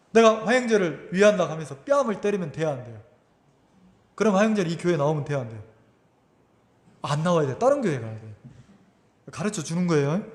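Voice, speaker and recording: A male pastor preaching a sermon, animated, often asking the congregation questions. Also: high-pitched. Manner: animated, asks the congregation questions, acts out quotes. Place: church sanctuary. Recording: reverberant church hall.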